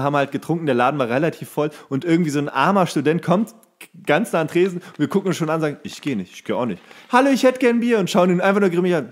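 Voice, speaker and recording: A man co-hosting a podcast, chatting casually in colloquial slang and acting out quotes as he tells stories. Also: fairly high pitch. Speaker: podcast co-host, former bartender. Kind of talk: casual anecdote chat between friends.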